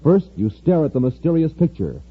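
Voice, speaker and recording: A man's voice: a little high, big pitch swings, a little fast, slightly rough, narrow, tinny audio. A male announcer in a 1950s radio serial, narrating and selling cereal with showy emphasis. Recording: hissy old radio transcription.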